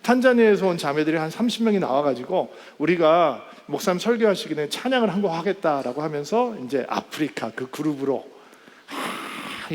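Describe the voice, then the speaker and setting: A male pastor telling a story in a sermon, animated and acting out the quoted voices. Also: fairly high pitch. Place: church sanctuary. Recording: church hall with long reverb.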